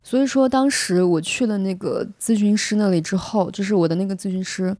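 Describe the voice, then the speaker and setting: A young woman hosting a podcast recounts a personal story in a casual chat, earnest and emotional, full of vivid detail. Her mid-pitched voice is mellow and soft, her pace brisk, and the recording sounds close and dry with almost no room echo.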